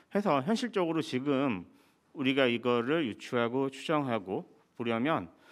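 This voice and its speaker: Against a quiet background, a man with a medium-pitched voice speaks fairly slowly, his pitch swinging very widely. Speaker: policy researcher. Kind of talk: conference presentation. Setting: panel discussion, in-person venue with livestream. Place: hall. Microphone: podium.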